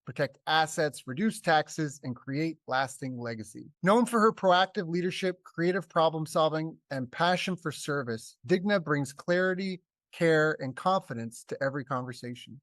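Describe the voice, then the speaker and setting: A man's voice: on the high side, expressive, fairly bright tone, dry recording. Man hosting an interview, dry sound. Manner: reads guest introduction, then chatty with quick asides. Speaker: podcast host. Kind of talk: interview host.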